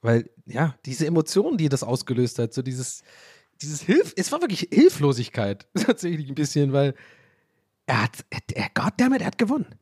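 Animated, rambling German podcaster man. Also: fairly high pitch, moderate pace, husky, no echo, clean studio sound. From German village. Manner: animated, self-mocking, rambling. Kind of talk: casual storytelling monologue.

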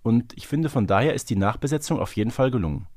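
A man's voice: mid-range voice, animated, fast talker, darkish tone, no room sound, clean studio sound. A man speaking conversationally as a podcast host in a fan discussion.

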